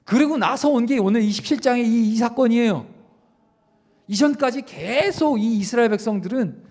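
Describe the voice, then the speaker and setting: A young man, a youth pastor, preaching a sermon at a youth service. He puts questions straight to his listeners and swings between raised emphasis and quiet asides. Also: very high-pitched, expressive, normal speed. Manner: addresses listeners directly with questions. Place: church service.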